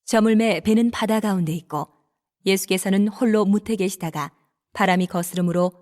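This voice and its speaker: A woman narrating scripture in a steady, formal reading style. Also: medium pitch, moderate pace.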